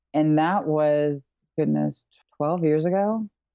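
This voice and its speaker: This woman speaks at a very deep, low pitch with ordinary pitch variation. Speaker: healer. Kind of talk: interview answer.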